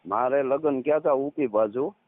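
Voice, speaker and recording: A man in his thirties with a Saurashtra Gujarati accent, talking casually as a caller in halting, repeated short phrases. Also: medium pitch, heavy background noise. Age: 30s. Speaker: caller, farmer. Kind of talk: casual phone conversation. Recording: tinny, narrowband phone call recording.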